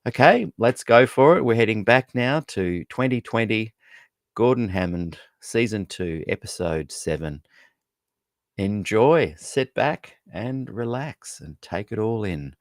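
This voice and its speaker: A man's voice: fairly low pitch, expressive, measured pace, dry recording, clean studio sound. A man hosting a podcast, giving a casual, chatty spoken introduction with frequent fillers. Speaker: podcast host.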